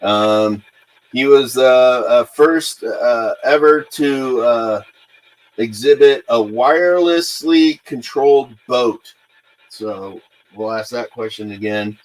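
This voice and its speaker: A man from the United States hosting a paranormal livestream, talking casually and off the cuff in a halting way with frequent pauses and filler sounds. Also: medium pitch, rough recording. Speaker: host of a paranormal investigation livestream. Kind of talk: casual unscripted livestream talk.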